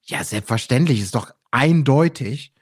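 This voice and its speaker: A man's voice: medium pitch, expressive, measured pace, darkish tone, husky, no echo, clean studio sound. A man chatting casually as a podcast co-host. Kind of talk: casual chat.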